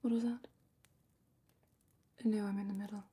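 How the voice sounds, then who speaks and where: A woman playing a calm, attentive dragon matchmaker in a slow, whispered ASMR roleplay with thoughtful pauses. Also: medium pitch. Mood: quietly authoritative. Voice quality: breathy, whispery. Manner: slow, gentle, thoughtful questioning with murmured pauses. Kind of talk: soft-spoken ASMR roleplay, largely whispered.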